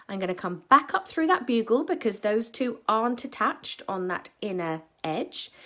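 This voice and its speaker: Running a live beading tutorial, a British woman speaks in a croaky, slightly high voice. She's chatty, full of ums, and often corrects herself.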